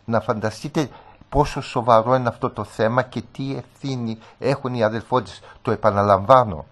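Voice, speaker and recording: A man's voice: mid-range voice, fairly even intonation, fairly bright tone. A man speaking as a guest on a studio radio discussion, earnest and emphatic, repeating his points.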